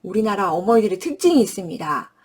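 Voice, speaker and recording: Brief: woman in her thirties, warm-toned presenter-mom, wide-ranging expressive pitch, acts things out for parents. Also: quick pace, breathy edge. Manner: animated, acts out words with lively gestures and sounds; often checks in with listeners by asking "right?". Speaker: early-childhood education presenter. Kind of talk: friendly parenting lesson.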